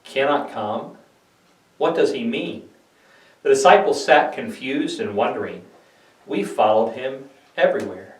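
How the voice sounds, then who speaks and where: A man giving a solemn, deliberate scripted dramatic narration of scripture, like a pastor reading. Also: medium pitch, expressive. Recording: echoey room, distant microphone.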